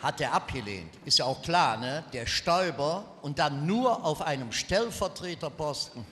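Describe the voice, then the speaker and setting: A man with a Cologne accent doing a carnival stage routine, telling tall-tale travel stories with quick punchlines. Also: fairly high pitch, expressive, background noise. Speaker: carnival comedian. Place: large carnival hall stage. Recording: echoey hall with long reverb.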